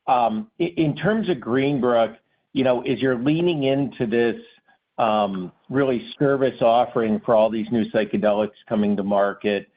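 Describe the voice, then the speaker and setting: Analyst guy on a phone line, mid pitch, halting informal question. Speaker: financial analyst caller. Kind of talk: spontaneous question on earnings call. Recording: narrow tinny phone line.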